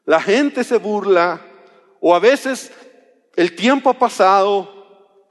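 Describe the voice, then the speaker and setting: A man's voice: sits high, expressive, slow pace, in a large hall. A man preaching a sermon in a conversational way, acting out biblical dialogue as he tells it.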